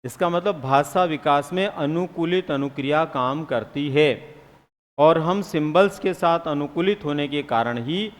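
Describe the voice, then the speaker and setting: A man's voice: on the high side, a little slow, long reverb tail. A man teaching psychology in a live classroom lecture, questioning students and answering his own questions, sometimes teasing them.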